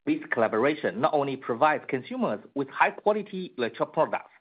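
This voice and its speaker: A man speaking as a company executive, reading prepared corporate remarks in a formal, measured way on an earnings conference call. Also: medium pitch. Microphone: conference call line. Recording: muffled narrowband conference phone line.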